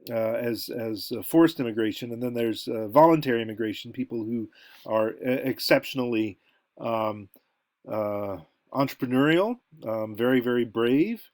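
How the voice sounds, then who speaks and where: An American college lecturer talks in a loose, conversational way, thinking out loud and drifting into asides. His voice is mid-range and a little mellow, at a normal speed, and the recording is dry with no room echo.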